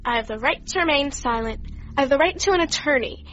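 A woman's voice: high voice, expressive, quick pace, fairly bright tone, dull audio. A woman playing a snarky teen girl witness. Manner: sarcastic, slangy, eye-rolling. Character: flippant underage female witness, sarcastic teen. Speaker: witness being questioned. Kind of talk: radio drama acting.

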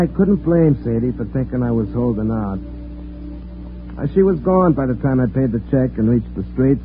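A man plays a luckless, jittery small-time mug in an old radio crime comedy. He talks in colorful street slang with a put-upon air, at a medium pitch. The recording is thin and tinny, with faint music at times. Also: lightly acted. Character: hapless, nervous small-time wise guy telling his tale.

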